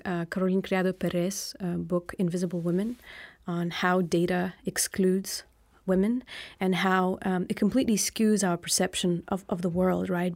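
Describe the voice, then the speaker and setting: Woman, lithuanian first language, talks it through slow w lots of ums and "right?", dry close sound. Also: medium pitch, darkish tone, dry recording. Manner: thoughtful, many ums and uhs, often adds "right?". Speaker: interview guest. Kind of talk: reflective conversational answer.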